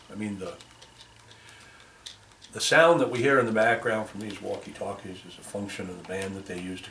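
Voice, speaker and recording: Low-voiced man in a noisy, echoey room. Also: creaky, fairly bright tone. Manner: halting, thinking aloud while working. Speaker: volunteer repair technician. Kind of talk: casual hands-on repair demonstration. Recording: roomy, noisy, distant microphone.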